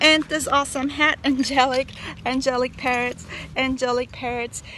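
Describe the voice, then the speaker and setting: The voice is raised and projected, moving at a moderate pace with flat, monotone intonation. The sound is dry with no echo, over light background noise. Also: woman. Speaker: pet vlogger. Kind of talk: casual vlog chat. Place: street. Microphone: phone near.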